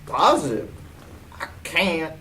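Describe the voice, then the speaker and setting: A man's voice: fairly high pitch, sing-song, slow pace, sharp tone, heavily acted. A man playing a nervous husband in an amateur radio-style mystery play. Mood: uneasy. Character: nervous husband shocked by his wife's murder. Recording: distant mic with faint background noise.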